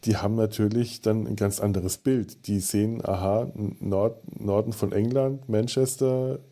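A man's voice: fairly low pitch, steady tone, measured pace, warm tone. A man co-hosting a podcast, talking casually with many fillers and restarts. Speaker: podcast host.

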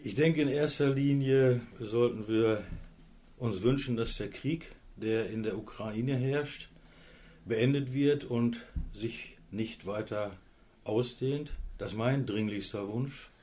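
A man in his sixties, a sales manager, speaking earnestly and in a measured way as a radio guest. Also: mid-range voice, a little mellow. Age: 60s. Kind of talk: radio interview.

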